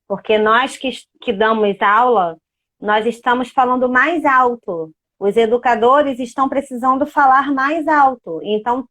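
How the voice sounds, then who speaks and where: A woman educator talking casually, explaining a point in conversation. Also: fairly high pitch.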